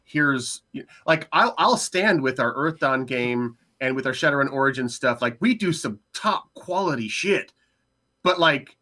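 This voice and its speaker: A man's voice: mid-range voice, animated, measured pace, bright, forceful tone. A man in a casual panel discussion, informal and emphatic, often checking that others follow him. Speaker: podcast panelist.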